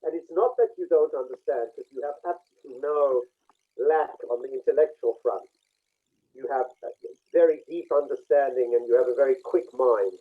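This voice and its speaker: A man on a video call reading a participant's face for a group session, speaking reflectively with pauses. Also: mid-range voice, husky. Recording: tinny phone-like call audio.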